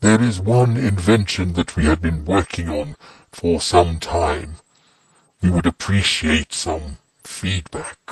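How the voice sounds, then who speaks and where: A man's put-on character voice, very deep and low in pitch, at a fairly slow pace. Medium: audio drama. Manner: flat, mechanical, formal.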